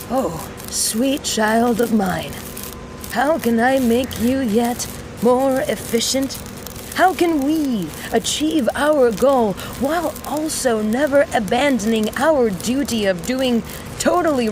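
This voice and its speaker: A woman playing a sardonic mechanic in a sci-fi audio drama, rambling to a listener with mock-solemn, theatrical pauses. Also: fairly high pitch, noisy background. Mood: wry, musing. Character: sardonic, rambling young female mechanic in an underground resistance.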